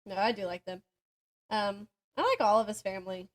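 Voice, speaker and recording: A woman's voice: mid-range voice, normal speed. A young adult woman co-hosting a podcast, chatting casually with a friend and telling rambling stories in a giggly manner. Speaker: podcast co-host. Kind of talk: casual chat between friends.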